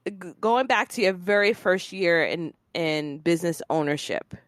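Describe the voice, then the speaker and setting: A woman hosting a business podcast in a casual, playful and slangy way, quick to laugh. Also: fairly low pitch, no echo, clean studio sound. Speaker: podcast host. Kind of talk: casual interview chat.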